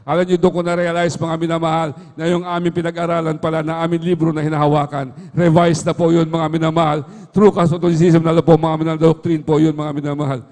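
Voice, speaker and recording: This man's testimony comes fast and level-toned, with a fairly high pitch and a darkish quality, echoing with long hall reverb. Speaking earnestly as a church member at a worship service, he keeps repeating an affectionate address to the listeners after almost every phrase.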